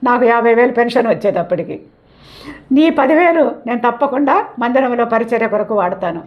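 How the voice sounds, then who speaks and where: A woman's voice: a little high, lively intonation, fairly quick. An older woman giving a personal faith testimony at church, telling her story earnestly and often repeating herself. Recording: dull lo-fi recording.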